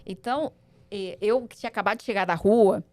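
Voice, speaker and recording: A woman guest on a podcast, telling a family story in an animated way and acting out the dialogue. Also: medium pitch, a little fast, no echo. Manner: animated, acts out quoted dialogue. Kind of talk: casual storytelling.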